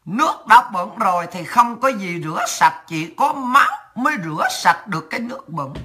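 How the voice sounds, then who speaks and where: A woman's voice: mid-range voice, lively intonation, normal speed, bright, forceful tone, a little hiss or hum. A woman with a Southern Vietnamese accent delivering a heated, sarcastic, coarse political rant as a commentator.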